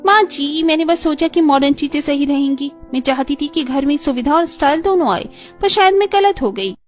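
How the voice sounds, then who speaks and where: A woman plays a sleepy, spoiled young daughter-in-law in an animated story. Her voice sits high and squeaky, and she drags out her whiny pleas. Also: fairly quick, soft background music. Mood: hopeful. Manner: whiny, pleading.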